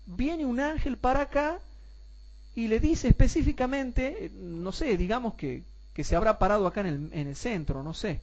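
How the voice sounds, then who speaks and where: A man instructs a Bible class in a mellow, relaxed voice. He fires off rhetorical questions, calls his listeners brothers, and goes over points again so they sink in. The recording sounds dull and lo-fi. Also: high-pitched. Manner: explains slowly and repeats points for clarity.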